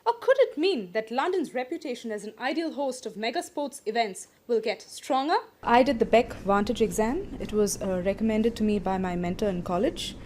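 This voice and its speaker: A woman's voice: on the high side, expressive, moderate pace, few pauses, darkish tone. A young woman from India, speaking as a contestant in an articulate, poised way.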